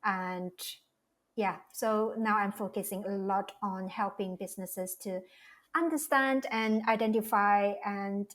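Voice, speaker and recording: A woman speaks at a middle pitch. She talks as a podcast guest, thinking aloud and circling back to rephrase her ideas. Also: unhurried, fairly bright tone. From Malaysia. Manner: reflective, speaks in loose restarting phrases. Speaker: guest, cultural strategist. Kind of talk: casual interview talk.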